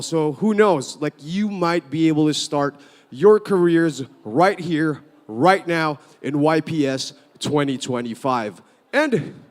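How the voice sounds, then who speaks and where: A man hosting a live gaming summit on stage, talking upbeat to the crowd and viewers at home. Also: a little high. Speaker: event host. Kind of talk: energetic live event hosting. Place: large event hall. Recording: long hall reverb, music behind.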